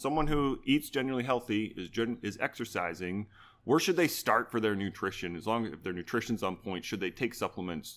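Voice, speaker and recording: With a normal speaking voice, a man talks at a fairly quick pace with a fairly low pitch and lively intonation. The recording is very clean with a silent background. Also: hardly any pauses. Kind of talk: casual interview chat.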